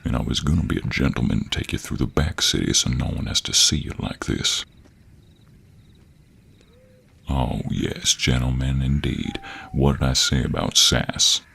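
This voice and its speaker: A man playing a gruff, teasing cowboy monster hunter with a gentlemanly streak in an intimate audio roleplay, drawling in a deep, gravelly, husky American cowboy accent. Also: normal speed, full character voice. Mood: teasing, reassuring, then stern, dry.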